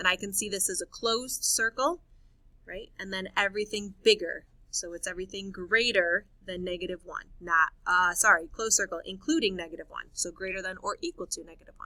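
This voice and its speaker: A woman with a bright, sharp tone speaks at a medium pitch and a fairly quick pace, her pitch varying in an ordinary way while her loudness swings widely. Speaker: math teacher. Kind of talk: recorded lesson. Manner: fast.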